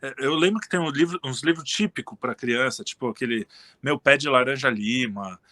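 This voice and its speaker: A man's voice: mid-range voice, a little fast, no echo. A man talking casually as a guest in an interview, rambling and restarting his sentences often. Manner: relaxed, rambling, frequent restarts and fillers. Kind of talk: casual conversation.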